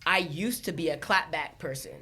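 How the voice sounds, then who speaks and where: Animated, bright-voiced woman from Los Angeles. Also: low-pitched, moderate pace, slight background noise. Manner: animated, laughs often, trailing restarts. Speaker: podcast guest. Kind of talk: casual chat.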